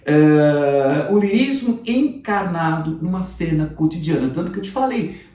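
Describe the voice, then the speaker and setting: A man teaching literature, reviewing exam questions in a lively, conversational way and talking straight to his students. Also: fairly high pitch, unhurried. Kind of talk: commented exam review lesson. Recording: roomy sound, voice off-mic.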